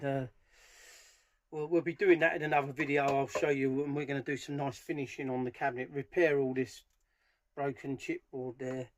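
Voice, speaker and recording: A middle-aged man giving informal hands-on commentary in a workshop, thinking aloud as he works. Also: on the high side. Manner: thinking aloud while working with his hands. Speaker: DIY speaker restorer presenting a how-to video. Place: small cluttered workshop, indoors. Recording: clear background noise, clicks of handling.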